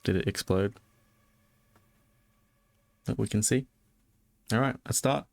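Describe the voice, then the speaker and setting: A man livestreaming a horror game, moving between casual chat with viewers and reading story text aloud, often halting and repeating words when he chats. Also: on the low side, vocal fry, no room sound. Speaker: livestreamer, host of a spooky game stream.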